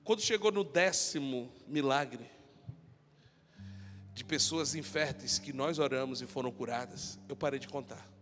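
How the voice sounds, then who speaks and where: A man, a pastor, preaching a sermon full of personal stories, moving between shouted passages and quiet talk. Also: medium pitch, unhurried. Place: church. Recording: long hall reverb with soft music.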